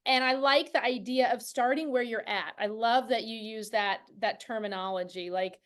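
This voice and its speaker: A woman with a high voice hosts an interview in a conversational style. She is affirming and eager to agree as she leads into her questions. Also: normal speed. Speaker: podcast host interviewing guests.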